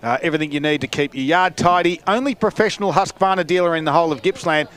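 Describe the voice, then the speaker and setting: A man's voice: fairly high pitch, quick pace, fairly bright tone, clear, resonant tone. A man with an Australian accent calling halftime scores at a local football match, reading sponsor ads and joking with his co-hosts. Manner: easygoing, jokes with co-hosts. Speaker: play-by-play commentator. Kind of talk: halftime sports commentary with ad reads. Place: outdoor football ground.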